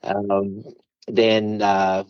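A man from Southern California, a guest on a podcast, telling his story in a halting way with many fillers. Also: lowish voice, level tone, clear, resonant tone, no room sound. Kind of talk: casual interview. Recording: dull lo-fi sound.

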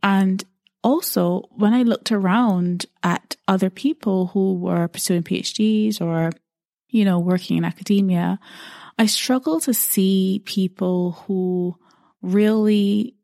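A woman's voice: medium pitch, slow, creaky, warm tone, no room sound, clean studio sound. A woman from Barbados, probably in her thirties, hosting a podcast and talking about her life in an earnest, reflective way, often repeating words as she thinks. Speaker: podcast host.

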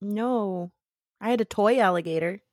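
A woman's voice: mid-range voice, normal speed, no room sound, studio quality. A woman with a Midwestern American accent chatting casually and playfully as a podcast co-host. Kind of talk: casual chat.

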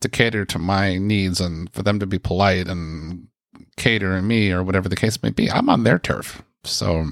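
A man from the States tells a story in a loose, chatty way, full of fillers and side tangents. His voice sits fairly low. The recording is dry and close, with almost no room sound. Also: moderate pace, vocal fry, dry recording. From United States. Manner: rambling, chatty, lots of fillers and asides. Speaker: speaker sharing a personal story. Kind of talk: casual storytelling.

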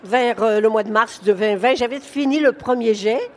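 An older Québécois novelist, a guest in an on-stage conversational interview at a live book fair, speaks frankly and laughs often. Her voice is a little high at a normal speed, and she tells stories in an animated way.

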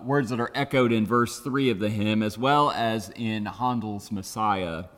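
A man preaching a sermon as pastor, earnest and reflective, with careful pauses. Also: on the low side, fairly bright tone. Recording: long church reverb.

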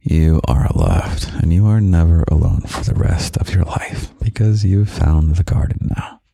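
A young man hosting a podcast of gentle, half-whispered comfort talk, slow and soft with quiet chuckles, close to the microphone. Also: deep voice, creaky, breathy edge, no room sound. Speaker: podcast host.

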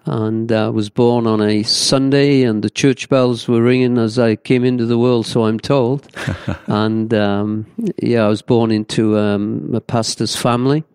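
A man's voice: mid-range voice, flat delivery, measured pace, few pauses, a little mellow, smooth, no echo, clean studio sound. A man in his seventies with a Welsh accent, a pastor telling his life story in an interview in an earnest, reflective way with many fillers. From Wales. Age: 70s.

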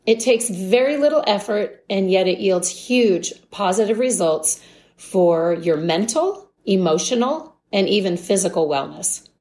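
A woman, a life wellness coach, hosting a podcast in a calm, gently encouraging, measured way. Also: mid-range voice. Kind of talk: scripted podcast monologue.

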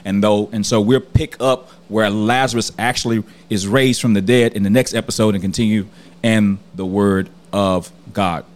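A man with a somewhat low, hoarse and scratchy voice leads a Bible study podcast. He teaches earnestly, stressing and repeating each point as he works through the text. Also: fairly even intonation, moderate pace.

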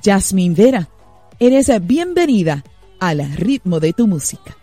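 A woman's voice: mid-range voice, very animated, measured pace, mellow, no room sound. A woman hosting a Christian music program, reading a scripted guest introduction in an earnest, devotional manner. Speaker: radio host. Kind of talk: scripted introduction then interview.

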